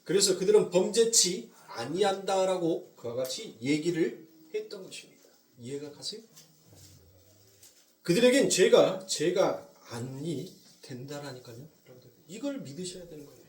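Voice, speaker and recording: A male pastor with a Jeolla accent preaching a sermon, swinging from loud emphasis to near whispers and slowing down on key points. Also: a little high, animated, echoey room, far from the mic. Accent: Jeolla Korean. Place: church sanctuary.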